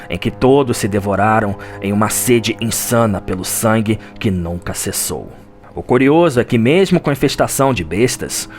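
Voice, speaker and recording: A Brazilian man delivering a solemn, theatrical scripted narration in the manner of a suspenseful audio drama. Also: lowish voice. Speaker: narrator of a video game lore audio drama. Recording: music under the voice. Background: background music.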